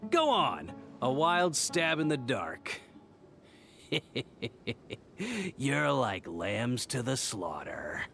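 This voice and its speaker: Falsely jovial game villain, mid-pitched, very animated, sly, mock-friendly, drawn-out words, faint music. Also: male voice, creaky, full character voice. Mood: taunting, menacing. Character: sly, falsely jovial male tavern regular turned taunting ambusher. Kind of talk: video game voice acting.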